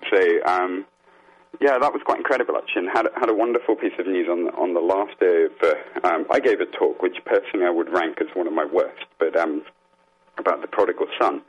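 Deep, muffled man, resonant and earnest. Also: brisk. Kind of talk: explanatory interview talk. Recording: dull, muffled phone-like line.

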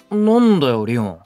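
An actor playing a brash, cocky young male idol in a Japanese voice drama, with blunt, swaggering, rough speech. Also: fairly high pitch, dark tone, no room sound, heavily acted. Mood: heated, exasperated. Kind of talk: Japanese anime-style voice drama acting.

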